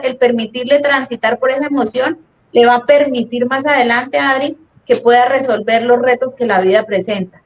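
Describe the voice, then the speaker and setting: A woman psychologist, patiently explaining parenting ideas in a live-stream talk and acting out little scenes. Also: fairly high pitch. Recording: dull lo-fi stream audio.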